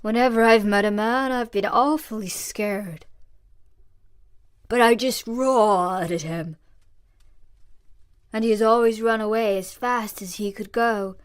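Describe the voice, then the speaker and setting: Woman doing a big scaredy lion, weepy and mournful, slow and louder than the narrator, odd different timbre. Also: a little high, clean tone, natural voice. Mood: sorrowful. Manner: mournful, plaintive storybook voice. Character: big timid male lion, tearful and sorrowful.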